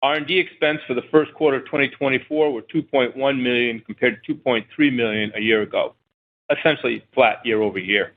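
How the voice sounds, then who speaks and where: Narrow telephone sound, male finance officer, middle pitch, formal factual recitation, scripted earnings report. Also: a little fast. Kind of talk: scripted financial results reading. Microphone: phone conference call. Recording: thin narrow-band phone line.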